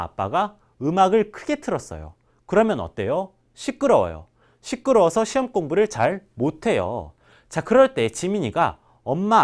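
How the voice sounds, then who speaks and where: A man teaching a language class, drilling example words slowly and clearly for his students. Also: fairly high pitch. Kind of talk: classroom lesson.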